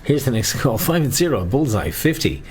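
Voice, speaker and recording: A man's voice: medium pitch, big pitch swings, moderate pace, breathy edge, faint music behind. An Irish man hosting as a bingo caller, calling numbers with traditional rhymes in a sing-song way, repeating them, and chatting casually between calls.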